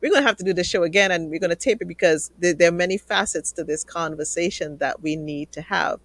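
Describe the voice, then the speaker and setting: A woman hosting a live online talk show, warm and playful with her guests, heard over a video call. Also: lowish voice, fast talker, dry recording. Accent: Trinidadian. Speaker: host.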